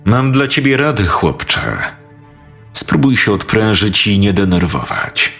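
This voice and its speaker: A man voicing a cold, menacing dentist who torments his victims, speaking in a slow, measured way in a dramatized audio story. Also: very animated, fairly bright tone, exaggerated voice. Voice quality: deep gravelly, slow and measured. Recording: faint music behind.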